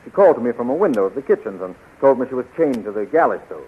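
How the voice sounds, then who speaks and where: An actor playing an earnest, chivalrous young space hero, polite and sincere, in 1930s radio style. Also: male voice, medium pitch, very animated, rapid-fire, husky. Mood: earnest, pleading. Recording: tinny, faintly noisy 1930s radio recording.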